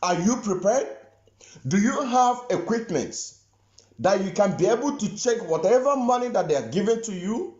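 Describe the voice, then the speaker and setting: A man addresses his livestream audience in a high, animated voice, repeating himself insistently. The room rings around him. The audio is muffled and lo-fi. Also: normal speed, roomy sound. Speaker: activist livestreamer. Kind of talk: livestream commentary.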